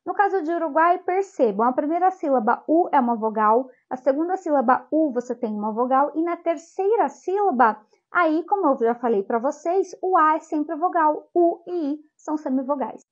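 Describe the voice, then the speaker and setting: A young woman teacher giving a lively grammar lesson, drawing out example words slowly to stress their sounds. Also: high-pitched, lo-fi sound.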